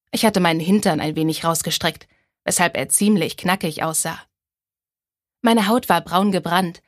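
A young woman narrating a first-person romance audiobook with calm, clear delivery. Her voice sits fairly low for a woman. The recording is close and completely dry. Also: no room sound.

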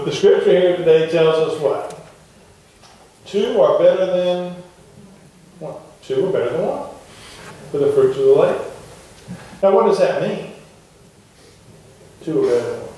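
A man's voice: on the high side, dark tone. Man preaching in an echoey church. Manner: conversational, asks the congregation questions. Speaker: pastor. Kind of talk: sermon. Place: wooden church sanctuary with congregation. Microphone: far camera at the back of the church. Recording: echoey church heard from far off.

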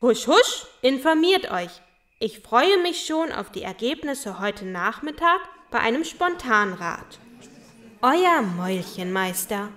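A woman's voice: fairly high pitch, sing-song, slow pace, fairly bright tone, heavily acted. A woman playing an officious, friendly town crier creature, proclaiming ceremoniously in a children's audio drama.

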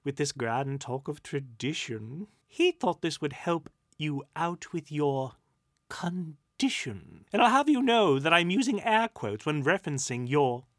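A woman's voice: low-pitched, lively intonation, measured pace, few pauses, no room sound, studio quality, voice pushed up. A narrator voicing a catty, gossipy female spirit in a storybook, with an arch, theatrical and exaggerated delivery. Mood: teasing, camp.

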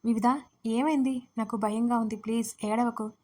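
A woman's voice: on the high side, steady tone, normal speed, darkish tone, lightly acted. A woman voicing an anxious, caring young woman who pleads with a tearful friend, in a storybook reading. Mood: worried. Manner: pleading, worried.

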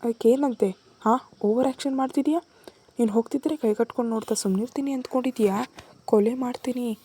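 A hot-tempered, possessive young man, as a woman narrator puts him on, harsh and threatening in a low, mellow, husky voice. It is a spoken storybook romance. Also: a little fast. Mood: menacing.

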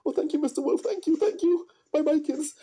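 A puppeteer voicing a mischievous, excitable young shepherd boy with exaggerated delivery in an amateur puppet show. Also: high voice, brisk, lightly acted. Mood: pleading. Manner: exaggerated, yelping when alarmed. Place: small indoor room, behind puppet curtain.

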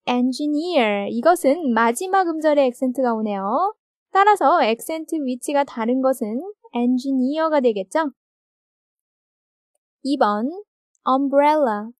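A woman with a Korean accent teaching English grammar in a recorded video lecture, reading example sentences carefully and ending her explanations with gentle rising questions. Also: high voice, no room sound, clean studio sound.

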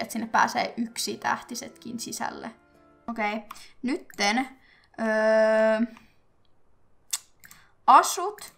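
A young woman from Finland chatting casually as she plays a life-simulation game, thinking aloud with fillers and quick bursts of excitement. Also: fairly high pitch, gravelly, a little hiss or hum. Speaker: gaming YouTuber. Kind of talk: casual let's-play commentary.

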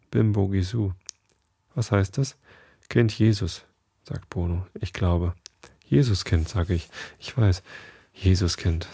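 A man reads a bedtime story in a calm, unhurried way, and now and then he backs up to restart a sentence after a slip. His voice is very deep and gravelly, with a dark, husky tone. The sound is close and dry. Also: dry recording. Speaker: podcast host.

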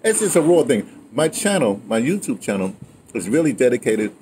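A man in his sixties with an American accent, chatting casually and telling stories in a digressive, animated way. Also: medium pitch, a little fast. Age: 60s. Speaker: host of an audio memoir channel. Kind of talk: casual storytelling chat. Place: outdoors on a patio in daylight. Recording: outdoor ambient noise.

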